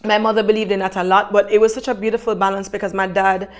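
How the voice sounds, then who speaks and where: Woman, interview guest, mid pitch, earnest storyteller. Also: flat delivery, quick pace. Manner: earnest, storytelling, talks of faith. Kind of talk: conversational interview.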